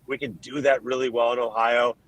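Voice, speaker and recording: A man from Colombia, a political candidate answering interview questions in emphatic, rapid-fire lists of points. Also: medium pitch, little pitch movement, fairly bright tone, no room sound, rough recording. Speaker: Senate candidate, guest.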